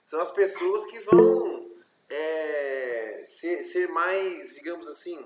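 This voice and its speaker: A man's voice: on the high side, animated, takes it slowly, echoey room, over loud music. A Brazilian man with a Brazilian Portuguese accent, a history teacher giving an online class in an explanatory way, with many fillers and tag questions. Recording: noisy online class audio with clicks.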